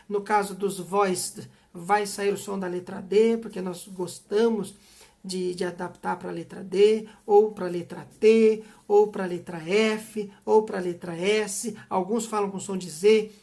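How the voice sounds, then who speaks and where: A woman's voice: medium pitch, darkish tone. Middle-aged Brazilian woman, pronunciation teacher, speaks to camera, firm and emphatic with tag questions. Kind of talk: teaching, direct address to viewers.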